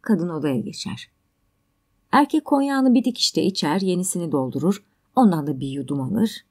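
A woman reading a stage play aloud as an audiobook, giving the stage directions in a lowered, even voice. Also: normal speed, husky. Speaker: audiobook narrator.

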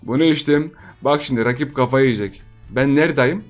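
A man's voice: medium pitch, moderate pace, soft background music. A man giving playful gameplay commentary for his channel, chatty and laughing often as he talks straight to his viewers. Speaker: gaming channel host.

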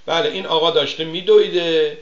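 A man's voice: on the high side, steady tone. A man from Iran hosting a TV talk show, chatting casually and joking as he tells stories and mimics the people he quotes. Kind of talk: casual monologue on call-in TV. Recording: roomy, slightly dull studio sound.

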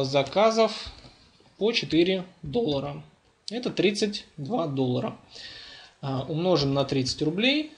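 A young man with a voice a little on the high side talks through a casual screencast. His delivery is informal and wordy, with a hesitant, searching way of putting things. He is recorded on a laptop's built-in microphone. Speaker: programming tutor and app developer. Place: indoors at a laptop.

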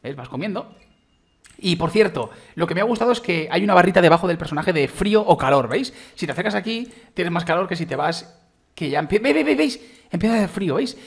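A man with a Spain Spanish accent races through his let's-play commentary, words tumbling out quickly in a slightly high voice. He rambles, exclaims and gushes as he plays. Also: animated, husky. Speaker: gaming youtuber.

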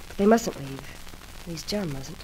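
A woman playing a proud, emotional young woman in love in an old radio soap, earnest, dramatic and halting, on a noisy old recording. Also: low voice, expressive, darkish tone. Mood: determined. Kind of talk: 1940s radio soap acting.

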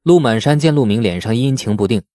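A man's voice: medium pitch, animated, fast talker, mellow, no room sound, studio quality. A man reading a novel aloud as an audiobook narrator, in a dramatic storytelling style.

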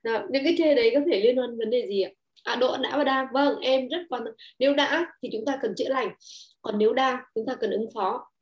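A woman's voice: on the high side, a little fast. A woman giving an online talk on parenting and relationships, hesitant and full of fillers, acting out quoted lines in a raised voice.

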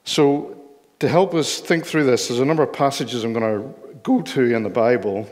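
A man's voice: mid-range voice, normal speed, a little mellow. Older male preacher, Northern Irish accent, explanatory sermon delivery, recorded in a hall with long reverb. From Northern Ireland. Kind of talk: sermon with Bible reading. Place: church hall, speaking from lectern on stage.

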